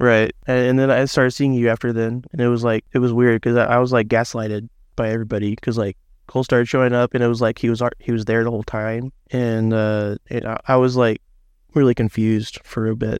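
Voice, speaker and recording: Talking at a very fast pace, a man keeps a monotone, flat intonation at a medium pitch. The background is quiet, and the sound is dry and close with no echo. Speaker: card game player. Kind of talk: casual chat.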